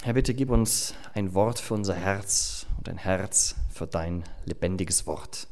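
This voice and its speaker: A man's voice: low voice, unhurried, a little mellow. A man preaching, reading scripture and chatting casually with the congregation with fillers and asides. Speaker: pastor. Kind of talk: sermon with Bible reading.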